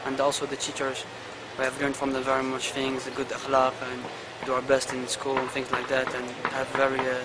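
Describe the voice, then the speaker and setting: Man, young, very monotone, halting English, loud traffic noise outdoors. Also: mid-range voice. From Netherlands. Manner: halting, searches for English words. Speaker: third-year hadith student. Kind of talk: recorded testimonial.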